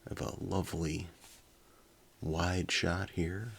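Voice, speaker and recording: A man's voice: deep voice, little pitch movement, slow, gravelly, a bit bright, a little hiss or hum. A man narrating a children's storybook, with casual asides of his own commentary. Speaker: reader and commentator.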